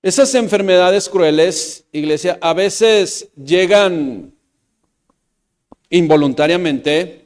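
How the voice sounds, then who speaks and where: Mexican pastor preaching with dramatic swings. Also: male voice, slow. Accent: Mexican Spanish. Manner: swings between loud emphatic bursts and soft low asides; repeats phrases for emphasis, addresses congregation as hermanos and iglesia. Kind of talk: sermon. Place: church before a congregation.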